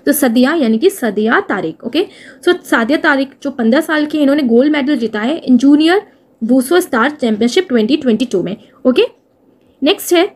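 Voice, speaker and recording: A woman teaching an exam-prep lesson with memory tricks. She asks and answers her own questions, says "okay" again and again, and reads the English phrases slowly. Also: high voice, a little mellow.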